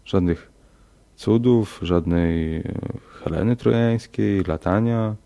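Guy reading a smug calm man bossing a demon around, quiet but firm, dark gravelly voice. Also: sits low, slow, heavily acted.

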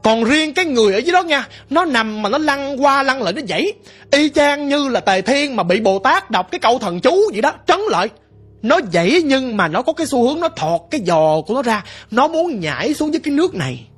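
Brief: a woman, dramatic ghost story narrator, husky tone. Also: high voice, very animated, a little fast, soft background music. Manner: dramatic, conversational retelling.

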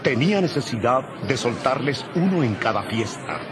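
A man reading scripted Bible narration in a formal, measured, solemn manner. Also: medium pitch, big pitch swings, a crowd in the background, background noise.

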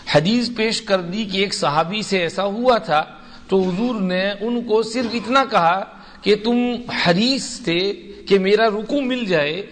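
A man's voice: high voice, fairly bright tone. Man teaching a hadith lesson, reverberant hall. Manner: explanatory, slow and deliberate. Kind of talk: religious lesson.

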